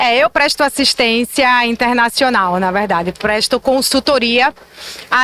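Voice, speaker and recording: A woman with a high pitch and ordinary pitch variation talks at a moderate pace, with a dry, close sound and no echo, over noticeable background noise. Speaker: international lawyer. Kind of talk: interview.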